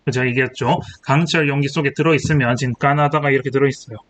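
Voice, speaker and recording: A man's voice: medium pitch, fairly even intonation, fast talker, a bit bright. A young man in his twenties tutoring chemistry, walking through exam problems and thinking aloud as he writes, checking in with rhetorical questions and correcting himself. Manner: self-correcting, thinking aloud while writing. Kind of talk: exam problem walkthrough lecture. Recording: faint hiss.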